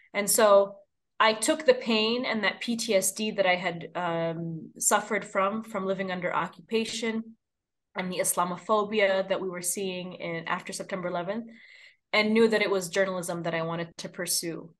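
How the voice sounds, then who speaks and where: A woman's voice: fairly low pitch, fairly bright tone. A woman in her thirties from the United States, a journalist giving a long, earnest interview answer over a video call from a room at home. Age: 30s. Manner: earnest, fluent, impassioned. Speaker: guest, journalist.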